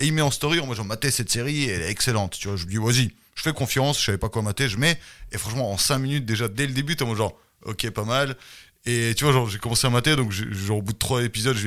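Talking very fast, a man holds a medium pitch with ordinary variation. The background is silent and the recording very clean. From Russia. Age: 30s. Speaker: comedian and YouTuber. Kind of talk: casual chat.

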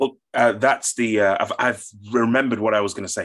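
A man with an ordinary speaking voice, medium pitch and fairly even intonation against a quiet background. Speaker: podcast host. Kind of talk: casual political commentary chat.

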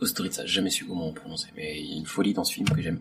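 A man's voice rises and falls in very wide pitch swings. Noticeable background noise sits behind him. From Morocco (Fès). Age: 30s. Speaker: comedian. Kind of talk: casual interview over a meal.

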